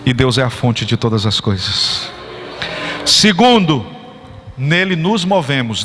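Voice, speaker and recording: A man preaching a sermon as a pastor, telling a story and rising into fervent, shouted praise. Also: medium pitch, slight background noise. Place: church. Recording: church hall reverb, faint ambience.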